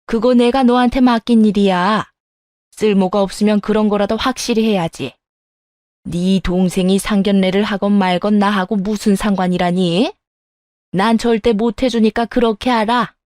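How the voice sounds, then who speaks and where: A woman voicing a selfish middle-aged mother-in-law who shouts and then pleads, in a dry close recording. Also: mid-range voice, steady tone, moderate pace, dry recording, natural voice. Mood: yelling. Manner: yelling, then pleading and whiny.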